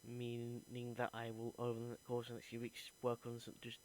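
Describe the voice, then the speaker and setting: Earnest young man, flat delivery. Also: medium pitch, brisk, slight background noise. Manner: earnest, thinking aloud. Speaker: acting student. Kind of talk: reflective voice diary.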